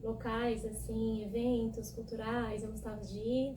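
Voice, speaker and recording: Very slow speech from a woman, set in audible room echo. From Santos, São Paulo state, Brazil. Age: 40s. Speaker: former São Paulo resident, HR analyst. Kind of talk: documentary testimony.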